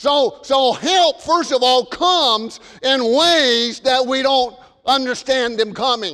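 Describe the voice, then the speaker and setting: Raised and projected, a man's voice rings out at an extremely high pitch with a bright, sharp tone and a Southern US accent. He speaks very slowly with lively intonation on a very clean recording with a silent background. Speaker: preacher. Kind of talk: sermon. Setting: church.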